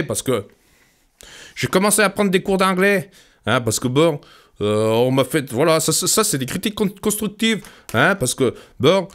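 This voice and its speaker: A young man from Savoie with a Savoyard French accent, chatting casually as a music producer, rambling and stammering with joking asides. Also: a little high. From Savoie, France. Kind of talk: casual music-making vlog.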